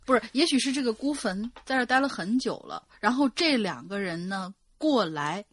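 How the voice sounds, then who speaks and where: A woman's voice: a little high, lively intonation, moderate pace, no echo. A woman co-host in casual chat, hesitantly thinking aloud as she guesses.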